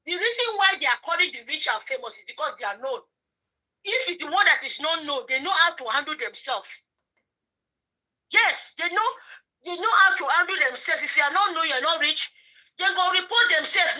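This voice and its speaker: A woman's voice: sits high, bright, forceful tone, poor audio. A woman with a Nigerian accent calling in, speaking indignantly and scolding. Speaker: caller. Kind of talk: casual chat.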